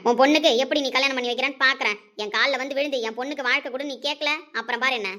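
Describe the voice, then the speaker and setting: A woman's voice: sits high, rapid-fire, pushed and bright. A woman playing a proud, scornful woman feuding with her brother, speaking sharply and tauntingly in a family drama. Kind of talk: amateur family drama acting.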